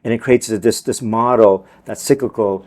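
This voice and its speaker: A Vietnamese-born man raised in America, a film director and teacher, answering interview questions in an earnest, animated way with many repeated words. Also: on the low side, moderate pace. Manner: earnest, animated, repeats words and says "you know" often.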